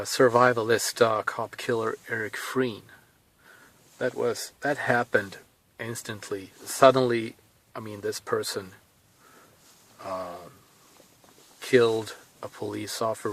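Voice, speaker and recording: A man in his thirties with a Swedish accent, talking casually to camera from inside a car, thinking aloud with pauses and restarts. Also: on the low side. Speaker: vlogger.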